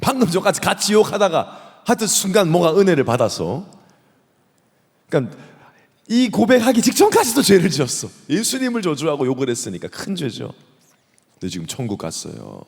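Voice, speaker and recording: A male pastor preaching a sermon in an animated way, putting rhetorical questions to the congregation. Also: fairly high pitch, brisk, gravelly, long reverb tail.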